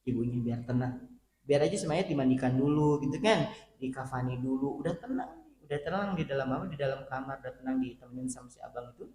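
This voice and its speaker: Animated male preacher in an echoey mosque. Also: mid-range voice, fast talker. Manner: animated, acts out quoted voices, talks directly to the women. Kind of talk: sermon. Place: mosque hall. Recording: roomy mosque hall, faint background hum.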